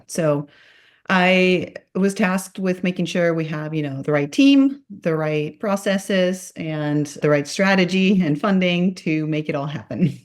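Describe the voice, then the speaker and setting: A woman in her thirties from Greece, with an American accent and only a faint Greek trace, a little rough from a cold, answers interview questions in an upbeat, conversational way. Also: low voice, darkish tone. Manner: upbeat, laughs easily. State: has a cold. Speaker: podcast guest, marketing executive.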